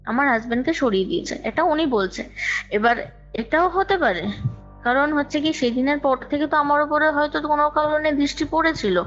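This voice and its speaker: A woman with a fairly high, slightly bright voice tells a personal story conversationally, chatty and emphatic, speaking fairly quickly. She often repeats phrases and drops in English words. The audio is a dull lo-fi call recording with music underneath.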